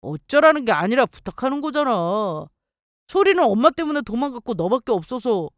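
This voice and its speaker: A woman's voice: on the high side, sing-song, a little fast, dry recording, studio quality. A woman voicing a clingy, self-pitying ex-husband in a dramatized story reading, pleading and whining. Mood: complaining. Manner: whiny, pleading.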